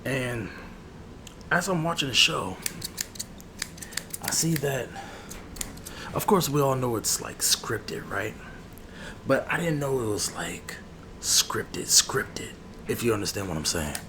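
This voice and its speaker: A man's voice: mid-range voice, lively intonation. A man playing an irritated, money-minded hood barber in an ASMR role-play, chatting casually and grumbling as he repeats himself. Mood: chatty, confiding. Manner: grumbling, repeats phrases, drawn-out asides. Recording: clearly noisy background ambience.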